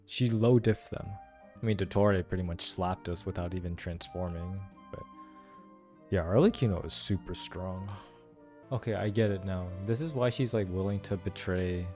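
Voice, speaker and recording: A man's voice: sits low, darkish tone. A young man giving casual, slangy, musing reaction commentary on a game. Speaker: gameplay reaction host. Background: game music.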